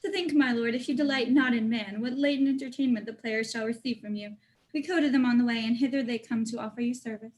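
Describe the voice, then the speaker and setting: A woman plays a young courtier, deferential to a prince. The voice is fairly high, reciting Shakespearean lines with polite, measured courtesy. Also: steady tone, darkish tone, natural voice, rough recording. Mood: guarded, polite. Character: deferential young courtier, Hamlet's old schoolfriend. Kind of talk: dramatic reading of Shakespeare.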